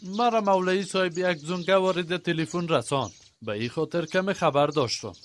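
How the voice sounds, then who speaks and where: An actor as a polite young villager in a radio play, with a slightly high voice. He is agreeable and attentive, with faint background noise. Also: lightly acted. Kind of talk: radio drama dialogue.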